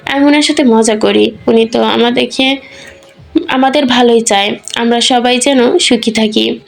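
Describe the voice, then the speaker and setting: Woman voicing a soft-spoken young bride. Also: fairly high pitch, steady tone, unhurried, creaky, soft background music. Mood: gentle. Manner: soft, pleading. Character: young, sweet, helpless new bride.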